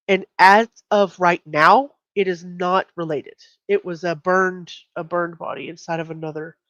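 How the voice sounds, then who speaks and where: A woman's voice: on the low side, dry recording, muffled recording. A middle-aged woman, hosting a casual true crime live stream, reading out and commenting in a conversational, blunt way.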